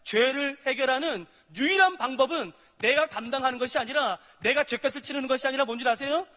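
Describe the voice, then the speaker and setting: A man's voice: very high voice, quick pace, bright, forceful tone, big-room sound. A male pastor preaching a sermon, animatedly acting out dialogues between God and sinners.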